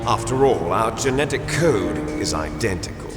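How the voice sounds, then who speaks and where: A man's voice: on the low side, lively intonation, normal speed, lightly acted. Man acting a vengeful, theatrical villain in an echoing hall. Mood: coolly calculating. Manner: theatrical, taunting, grandiose. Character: vengeful, bitter villain, resentful cloned twin brother. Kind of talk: dramatic video game voice acting. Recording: echoey hall reverb under music.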